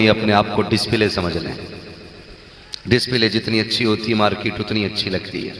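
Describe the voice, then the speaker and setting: Man preaching to a crowd, echoey hall. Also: fairly low pitch. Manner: banters with the crowd and calls out slogans for them to answer. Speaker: religious speaker. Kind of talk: sermon to a live gathering.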